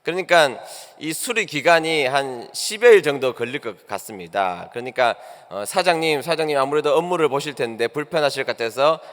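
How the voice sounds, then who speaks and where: A man's voice: fairly high pitch, animated, a little fast, a bit bright. A male pastor preaching a sermon, telling a personal story and acting out both sides of a phone call. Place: church sanctuary. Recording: long church hall reverb.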